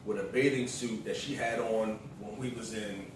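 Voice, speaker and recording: Casual American male vlog co-host, slangy storyteller, mid pitch, heavily reverberant room with clear background noise. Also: fairly even intonation, moderate pace. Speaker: vlog co-host, the vlogger's partner. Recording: roomy echo, distant mic, noisy background.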